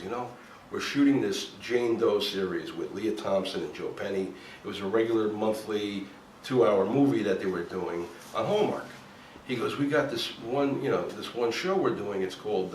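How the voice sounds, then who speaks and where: A man who is a former cop turned actor, from New Jersey, telling stories in a casual chat and acting out what people said. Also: on the low side. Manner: animated storyteller acting out quotes. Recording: echoey room, voice a bit far from the mic, faint background noise.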